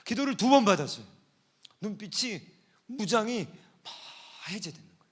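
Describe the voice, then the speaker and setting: A male pastor preaching a sermon at a church service, telling stories and moving between hushed, quiet passages and loud, fervent outbursts. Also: sits high, sing-song, normal speed, husky. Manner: storytelling, swinging between hushed and shouting.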